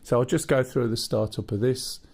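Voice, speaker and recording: A man's voice: medium pitch, moderate pace, gravelly, darkish tone. A man with a Black Country accent chatting casually while live-streaming a flight game and reading viewer chat aloud.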